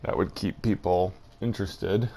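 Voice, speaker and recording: A man's voice: low-pitched, steady tone, normal speed, dark tone. A man giving casual, unscripted game commentary, thinking aloud in a hesitant way. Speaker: gaming video host.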